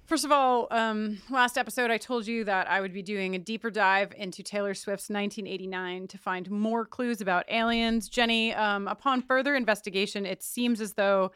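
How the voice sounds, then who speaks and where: Smooth-voiced chatty woman podcast host. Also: mid-range voice, steady tone, moderate pace, few pauses, a bit bright, dry recording, studio quality. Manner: chatty, laughing, playful. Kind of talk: casual chat.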